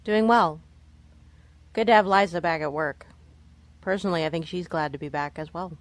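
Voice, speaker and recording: An actress playing a composed, earnest woman searching for her identity in an audio drama, speaking in a measured way. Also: lowish voice, no echo, natural voice. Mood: matter-of-fact. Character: composed, searching young woman with lost memory. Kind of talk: audio drama narration and acting.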